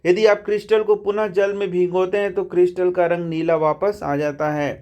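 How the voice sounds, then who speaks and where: A man's voice: sits high, steady tone, normal speed, a little mellow. A man teaching a science lesson line by line from the textbook, chatty, calling his students brother and asking questions that he answers himself. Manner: chatty, addresses students as bhai.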